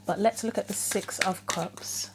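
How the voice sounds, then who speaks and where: A woman's voice: medium pitch, steady tone, unhurried, background noise. A woman doing an informal tarot reading, thinking aloud through possibilities, her throat a little troubled and her voice starting to go. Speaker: tarot reader, host of own channel. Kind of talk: casual spoken tarot reading.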